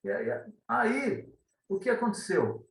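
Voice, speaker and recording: A man in his fifties, a ufology author appearing as a guest, tells his story in a meandering, hesitant way, often ending sentences with questions. His high voice is very animated yet slow, with vocal fry, and he's recorded from a distance with a roomy echo.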